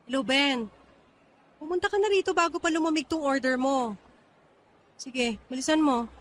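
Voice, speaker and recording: Casting: actress as casual, friendly thirty-year-old woman for radio drama, high pitch, slightly hesitant. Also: moderate pace, lightly acted. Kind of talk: Tagalog radio drama acting.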